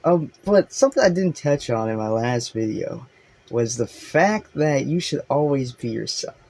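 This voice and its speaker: A man speaking straight to camera in a halting, hesitant way, full of fillers and restarts, with an unsettling edge. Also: medium pitch, animated, creaky, darkish tone. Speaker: online video host. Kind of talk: monologue to camera.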